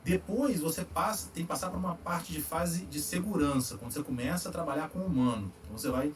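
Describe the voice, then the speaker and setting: A man with a Brazilian Portuguese accent hosting a casual chat, explaining vaccine trials in a relaxed, slangy way with frequent tag questions. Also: on the high side, quick pace, distant mic. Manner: relaxed, slangy, lots of "tá?" tags. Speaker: host answering viewer questions on vaccines.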